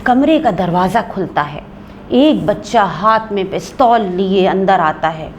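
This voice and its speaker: A woman's voice: mid-range voice, lively intonation, measured pace, slight background noise. A woman teacher reading a play aloud in a lesson and explaining it to pupils. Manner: explaining, checking understanding.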